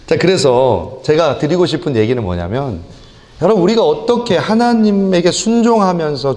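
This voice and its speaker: A middle-aged male pastor preaching a sermon, animated and acting out prayers and rebukes in lively voices. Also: fairly high pitch. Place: church sanctuary. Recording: long church hall reverb.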